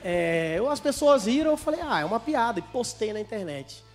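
Brisk and high-pitched with big swings in pitch, this Brazilian man in his thirties does stand-up storytelling in an Espírito Santo accent. He plays both parts of each dialogue as faint music sits in the background.

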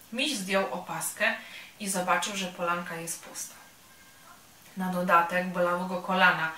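Woman storyteller, calm gentle reading, bright voice, roomy echo. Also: mid-range voice, slight background noise. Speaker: storyteller at a cultural centre workshop. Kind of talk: reading a children's story aloud. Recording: roomy sound from a distant mic.

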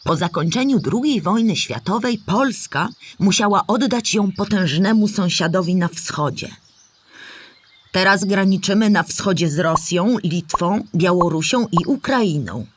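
A woman's voice: mid-range voice, lively intonation, a little slow. A woman playing a kindly old storybook animal who patiently explains history to a child in a children's audio play. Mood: patient, explaining. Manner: patient, clear explaining in simple words.

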